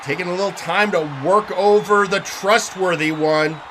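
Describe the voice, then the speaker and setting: A man working as an excitable wrestling commentator, mixing live calls with conversational analysis. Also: high-pitched, moderate pace, noisy background.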